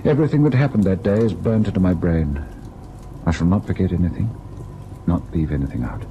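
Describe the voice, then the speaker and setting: An actor playing a devoted, sorrowful husband in an old-time radio ghost drama, measured and tender in his delivery. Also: deep voice, lo-fi sound, noisy background, natural voice. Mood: wistful, grave. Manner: measured, melancholy narration, tender and indulgent in dialogue. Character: devoted husband recalling a haunted, sorrowful tale.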